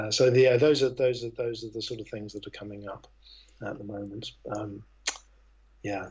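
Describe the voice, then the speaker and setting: A somewhat breathy man with a medium pitch talks at a moderate pace with fairly even intonation, big swings in loudness, and long, frequent pauses. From Scotland. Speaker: actor. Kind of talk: interview. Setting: podcast interview. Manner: halting, many fillers and repeats.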